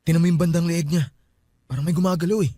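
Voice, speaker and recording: A man's voice: a little high, fairly even intonation, fast, mellow, no echo, studio quality, lightly acted. An actor playing a superstitious young man at a wake in a radio drama. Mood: uneasy. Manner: casual, superstitious talk. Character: young man friend at a wake, jumpy, sees spirits. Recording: faint music under the voice.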